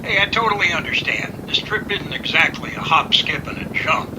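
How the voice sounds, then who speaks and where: A man playing an unruffled, teasing pilot in an amateur radio drama, confident and relaxed in his banter. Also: on the high side, normal speed, background noise, close to an everyday voice. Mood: reassuring.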